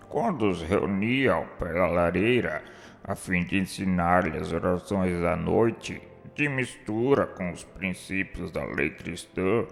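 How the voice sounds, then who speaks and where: An actor playing a remorseful, educated suicide's spirit in a radio drama, speaking solemn, formal, declamatory lines. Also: male voice, deep voice, vocal fry, heavily acted. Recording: long hall reverb, music underneath.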